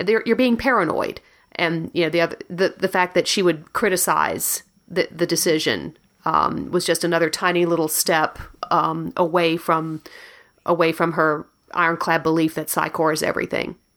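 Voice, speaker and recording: At a moderate pace, a woman with a fairly low pitch speaks with vocal fry and fairly even intonation. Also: very even loudness, very clean recording, silent background. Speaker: podcast co-host. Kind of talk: casual chat.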